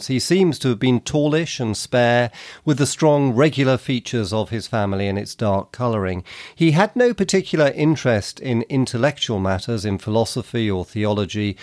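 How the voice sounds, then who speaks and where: A man with a croaky voice from a cold, hosting a podcast and reading history aloud in a measured, earnest way. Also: medium pitch, a little mellow, no room sound, studio quality. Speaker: podcast host.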